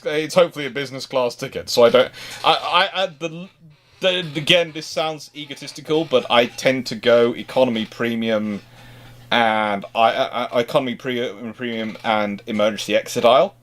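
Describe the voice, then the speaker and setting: A man's voice: on the high side, fairly bright tone. A man hosting a casual livestream chat, talking in a rambling, stop-start way that doubles back on words. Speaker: livestream host.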